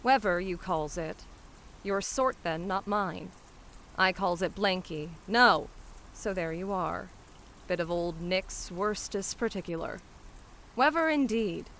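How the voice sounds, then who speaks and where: A poor London flower girl with a broad Cockney accent. Her voice is bright and forceful, full of sharp-tongued street cries and a big heart. She takes her time, over faint rainy background noise. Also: lowish voice, takes it slowly. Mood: indignant, hawking. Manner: street-hawker cries, scolding and dropping h's. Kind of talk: dramatic poetry performance.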